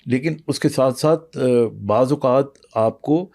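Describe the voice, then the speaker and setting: A man speaking as a doctor on a podcast, patiently walking through his answers with pauses and fillers. His voice is mellow and warm. The recording is dry and close. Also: mid-range voice, dry recording. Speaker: internal medicine doctor, podcast guest. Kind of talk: explanatory interview talk, mixing in English.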